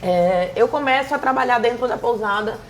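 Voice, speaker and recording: A woman talks at a moderate pace, using ordinary pitch variation, with noticeable background noise behind her. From Brazil, Recife (Pernambuco). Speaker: cultural producer. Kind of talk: casual interview chat. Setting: bar.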